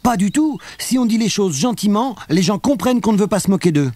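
A man voicing a stubborn, outspoken little girl in a children's audiobook, talking high and insistent. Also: lively intonation, darkish tone, dry recording. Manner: high, insistent, quick when arguing.

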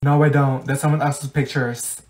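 A man's voice: mid-range voice, level tone, moderate pace, darkish tone, reverberant, lightly acted. A man playing an awkward teenage schoolgirl who rambles evasively and defensively in a comedy skit. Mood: flustered. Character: awkward, evasive teenage schoolgirl Olivia, flustered oddball friend.

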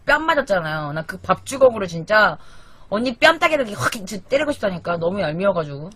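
A young woman from Korea talks into a desk mic in a small apartment late at night, venting in a casual livestream chat. Her pitch swings widely as she complains, and she swears freely in her exasperation. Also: sing-song, fast, fairly bright tone, husky. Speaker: live streamer. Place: small apartment at night, sister asleep in the loft. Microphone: desk microphone.

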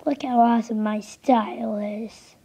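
A young woman casually commenting on a game she is playing, a little hoarse from being sick, rambling and easily distracted. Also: on the high side, steady tone, a little slow, dark tone, slight background noise. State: losing voice, sick. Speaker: gameplay commentator. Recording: slightly dull lo-fi home recording.

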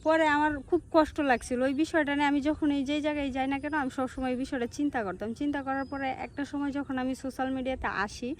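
A young woman with a high voice and a Netrokona Bengali accent talks earnestly to camera about her own life. Her tone is reflective and personal, like a vlogger speaking straight to her viewers. A faint hiss of background noise sits under her voice. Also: steady tone, racing, few pauses. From Netrokona, Bangladesh. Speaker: social media creator. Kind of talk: personal talking-to-camera vlog.

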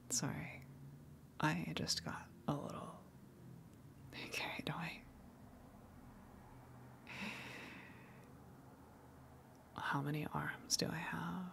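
A woman voicing a gentle, shy, affectionate tentacle monster in an ASMR roleplay, in a breathy whisper with a hesitant, apologetic manner. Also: deep voice, heavily acted. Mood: sheepish. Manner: hesitant, apologetic, soft giggles between halting phrases.

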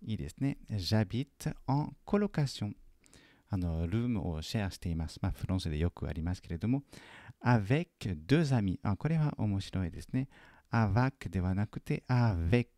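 A man teaching French in a lesson video, patiently correcting a student's homework and repeating French phrases slowly and carefully. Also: low voice, expressive, mellow, dry recording, studio quality.

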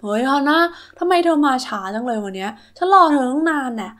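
A woman's voice: sits high, lively intonation, a little fast, a bit bright. A woman voicing a blunt, chatty young schoolboy friend in a children's toy story. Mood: concerned.

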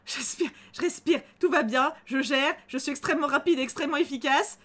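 A young woman narrating her own game playthrough in lively, chatty commentary. Her voice sits high, and she swings readily into excited squeals and groans. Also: brisk. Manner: excitable, chatty, emotional reactions. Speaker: gaming channel host. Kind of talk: let's play commentary.

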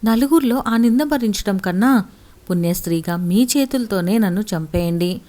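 A woman's voice: medium pitch, expressive, normal speed, warm tone, natural voice. A woman voicing a young wife who pleads emotionally with her husband in a storybook tale. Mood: hurt, pleading. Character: young wife, wronged and tearful.

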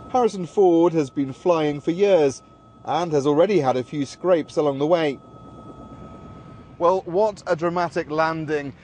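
Male reporter for scripted news voice-over, voice a little on the high side.

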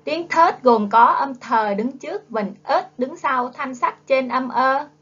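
A woman with a Southern Vietnamese accent leads a primary phonics lesson in a fairly high voice. She speaks very slowly and drills the children patiently. The recording sounds dull and lo-fi. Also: fairly bright tone, breathy edge. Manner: coaxing, prompts children to repeat. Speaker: primary school teacher. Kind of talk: slow, drawn-out phonics lesson for young children. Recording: dull lo-fi classroom video audio.

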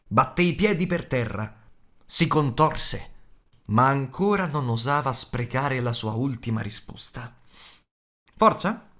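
A man's voice: medium pitch, unhurried, sharp tone. A man narrating an audiobook in a dramatic, varied reading style. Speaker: audiobook reader.

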